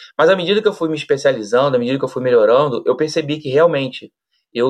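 A man talks at a very fast pace. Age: 40s. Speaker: YouTube channel host, mechanical engineer. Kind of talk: advice monologue to camera.

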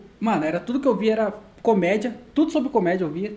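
This man's voice is high-pitched, and his intonation is lively. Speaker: comedian. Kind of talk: casual chat. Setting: home recording.

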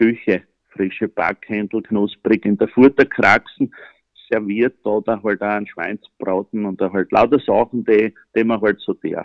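A man with a Styrian accent at a fairly slow pace. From Austria, Styria (Weststeiermark). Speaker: folk musician and innkeeper. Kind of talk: casual interview.

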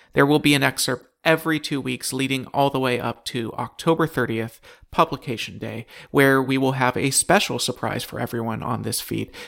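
On a very clean recording with a silent background, the voice proceeds at a moderate pace. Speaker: podcast creator and host. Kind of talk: promotional announcement.

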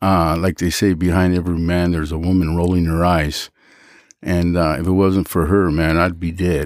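A man with an American accent speaks at a moderate pace in a very deep, low pitch. His intonation is monotone and flat, and the recording is very clean with a silent background. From Los Angeles, San Fernando Valley (Pacoima). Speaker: former prisoner sharing his story. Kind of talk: testimony. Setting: studio.

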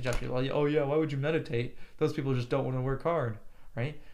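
A man's fairly high-pitched voice carries audible room echo. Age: 20s. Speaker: podcast host. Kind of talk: solo monologue.

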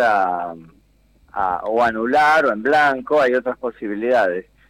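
A man speaks with a plain, everyday voice at a fairly slow pace, medium in pitch with ordinary pitch variation. The sound is dry and close with no echo. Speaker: history columnist. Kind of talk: radio segment talk.

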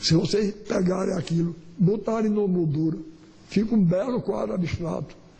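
Ordinary pitch variation in a high male voice, plus audible room echo. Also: moderate pace. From Brazil, Paraíba and Pernambuco. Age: old. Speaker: writer and lecturer. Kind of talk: lecture.

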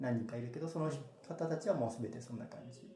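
Against noticeable background noise and audible room echo, a man speaks at a medium pitch with ordinary pitch variation. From Ibaraki, Japan. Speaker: rural migration support worker. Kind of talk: casual interview.

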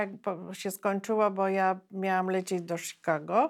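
In a very clean recording with a silent background, a woman with an unremarkable speaking voice and medium pitch talks at a fairly slow pace. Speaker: writer and former journalist. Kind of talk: interview conversation.

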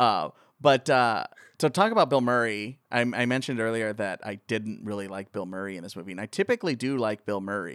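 Medium-pitched male speech in an unremarkable speaking voice, fairly quick, with ordinary pitch variation. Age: 20s. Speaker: podcast host. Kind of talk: casual chat. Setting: remote recording.

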